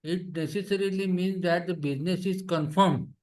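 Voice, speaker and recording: Higher-pitched Indian man, company executive. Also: fairly even intonation, moderate pace, darkish tone, poor audio. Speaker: company executive answering investor questions. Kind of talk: question-and-answer on an earnings call.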